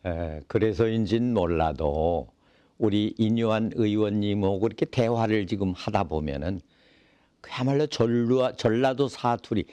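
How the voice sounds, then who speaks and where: A man's voice: on the low side, unhurried, mellow, no room sound. A man hosting a casual interview, explaining things at a leisurely pace with many fillers. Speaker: interview host.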